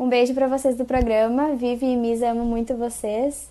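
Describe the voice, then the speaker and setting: A fairly high female voice, dark and mellow in tone, delivered at a moderate pace. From Rio Grande do Sul, Brazil. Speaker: pre-recorded contributor. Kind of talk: recorded video message.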